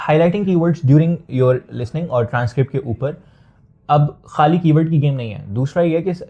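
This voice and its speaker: A young man giving IELTS listening tips as an instructor in a casual lecture, explaining at length and slipping English phrases into his talk. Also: mid-range voice. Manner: explanatory, mixes English phrases, frequent fillers. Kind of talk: casual Hindustani lecture with English code-switching. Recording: slightly dull lo-fi audio.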